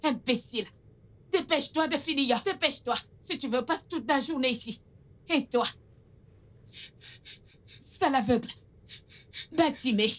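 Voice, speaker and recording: An actress playing a cruel, bitter aunt who scolds and threatens with insults. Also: female voice, high-pitched, a little slow, pauses often. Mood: scolding. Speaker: abusive aunt. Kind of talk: dubbed film drama.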